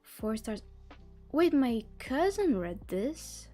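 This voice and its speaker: A woman's voice: sits high, very animated, slow pace, warm tone, faint music behind. A woman who is not a native English speaker, hosting a casual livestream. She chats, giggles often and stumbles over words while reading a book blurb aloud. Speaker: livestream host.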